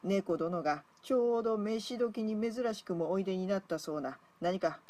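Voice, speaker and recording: Boorish rustic warlord, grown man, booming and boastful, pitched up from the storybook reader's own voice, as a reader puts him on. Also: moderate pace, darkish tone, natural voice. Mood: boisterous.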